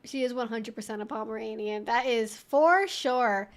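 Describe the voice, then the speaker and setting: A woman with a fairly high voice talks at normal speed while hosting a casual Q&A livestream. She answers viewer questions in a chatty, rambling way, full of informal asides.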